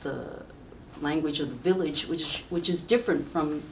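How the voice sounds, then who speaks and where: A woman in her seventies from rural southern China, a native speaker of a Chinese village dialect, reminisces about her life in a halting, reflective way for an oral history interview. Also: low voice. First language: Sayep village dialect of Chinese. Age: 70s. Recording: distant mic with faint background noise.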